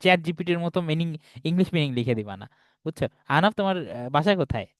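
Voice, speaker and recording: Man teaching online class, patient, explains step by step, fairly high voice, dry close sound. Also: expressive, fast, dry recording. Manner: explains patiently, keeps checking students follow. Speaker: English teacher. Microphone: video call.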